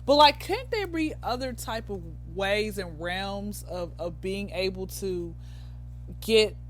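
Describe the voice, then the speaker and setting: A woman's voice: mid-range voice, lively intonation, slow, slight background noise. A woman in her thirties, a comedian guest on a podcast, talking loosely and rambling as she thinks aloud. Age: 30s. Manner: rambling, loses her train of thought. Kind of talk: casual podcast interview.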